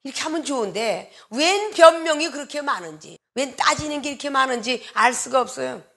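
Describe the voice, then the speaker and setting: A woman pastor delivers a sermon with a somewhat high, gravelly voice. She preaches with strong emphasis and often acts out short bits of dialogue, sometimes rising to a shout. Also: animated, brisk.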